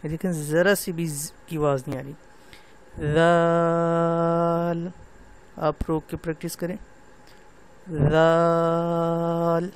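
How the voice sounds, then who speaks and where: A man's voice: fairly high pitch, steady tone. A middle-aged man teaching Quran recitation to women, patiently explaining and drawing out letter sounds. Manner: slow drawn-out demonstration of letter sounds; patient, repeats "theek hai" often. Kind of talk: tajweed lesson for women.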